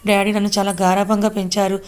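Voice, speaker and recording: A tearful, lovesick young woman pleading in a storybook tale, read out by a woman narrator. The voice stays flat and mellow, with little rise and fall. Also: medium pitch, fast talker, lightly acted. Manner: plain read-out dialogue.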